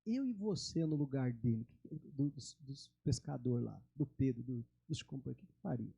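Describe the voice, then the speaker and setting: A Brazilian man preaching a sermon as pastor, telling the story in a lively way and acting out the disciples' voices, often asking the congregation for an amen. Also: medium pitch, moderate pace, creaky, breathy edge. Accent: Brazilian Portuguese. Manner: asks the congregation for "amém".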